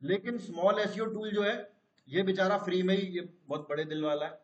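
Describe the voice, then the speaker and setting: A man's voice: sits high, fairly quick, roomy sound, highs cut off. A man teaching a live online class, explaining step by step and asking his students questions.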